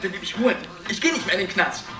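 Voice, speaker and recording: A man's voice: high-pitched, big pitch swings, very fast, distant mic. A man acting a flamboyant, self-pitying, broke gay man in a radio play, agitated and plaintive. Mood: desperate, pleading. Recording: echoey room, off the mic, music behind.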